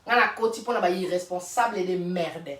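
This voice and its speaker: A woman's voice: lowish voice, brisk, a bit bright. A woman, speaking in an emphatic, fiery casual rant and repeating rhetorical questions. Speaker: vlogger. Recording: roomy sound from a distant mic.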